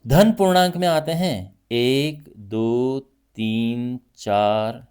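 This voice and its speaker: Teaching math in a Hindi accent, this man explains his lesson animatedly but extremely slowly, with a clean tone. His voice rests at a middle pitch, rising high to stress a point and dropping low when he lists things. Lively and repetitive, he checks in often so his students can keep up.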